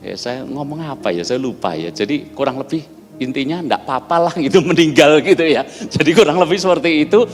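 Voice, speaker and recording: A man's voice: a little high, animated, a little fast. A man preaching a sermon, telling anecdotes and often addressing his listeners directly. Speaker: pastor. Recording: hall reverb with faint music behind.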